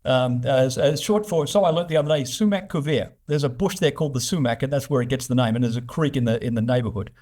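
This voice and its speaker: A man's voice: medium pitch, fast, hardly any pauses, a little mellow. A man interviewing a guest on a business show, speaking conversationally with hesitant phrasing.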